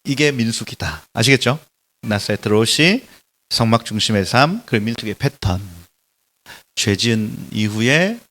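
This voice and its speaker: A man preaching a lecture-style sermon in a church, emphatic and animated, swinging between loud exclamations and soft drops. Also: lowish voice. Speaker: pastor giving a Bible lecture.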